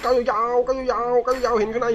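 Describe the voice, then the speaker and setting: A young Thai gaming YouTuber plays a football video game while commenting live, his voice extremely high and his pace quick. He swings from calm play-by-play to loud shouting and laughter, swearing often. Clear game music plays behind him.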